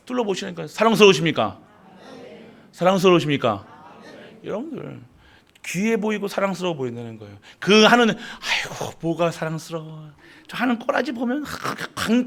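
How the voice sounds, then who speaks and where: A male pastor delivers a sermon in a fairly high voice. He rises into loud emphatic peaks and drops to low asides. He keeps throwing questions out to the congregation.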